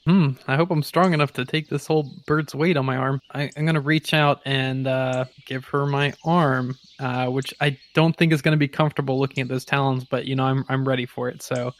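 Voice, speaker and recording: A man's voice: mid-range voice, steady tone, a little fast, hardly any pauses. A man improvising a story casually as a player in a tabletop roleplaying game.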